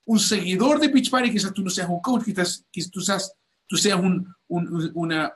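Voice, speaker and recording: A man's voice: high voice, a bit bright. A male host talking animatedly on a call, with many fillers and restarts. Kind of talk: enthusiastic call interview.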